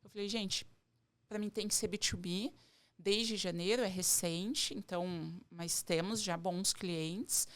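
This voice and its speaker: An earnest woman with a strong country accent from the São Paulo interior. She explains things at length in a relaxed podcast chat, stringing her points together with many connecting words. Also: mid-range voice, a little slow. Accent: rural São Paulo interior. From Barretos, Brazil. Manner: earnest, explains in long runs with many "então". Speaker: podcast guest, entrepreneur. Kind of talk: casual podcast conversation.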